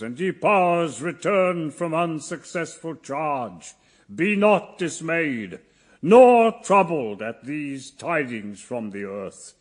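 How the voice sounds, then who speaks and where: An actor playing God the Father, a solemn almighty judge, stately and declamatory with a husky voice, in verse radio drama. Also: mid-range voice, full character voice. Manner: stately, pronouncing, grandly declamatory.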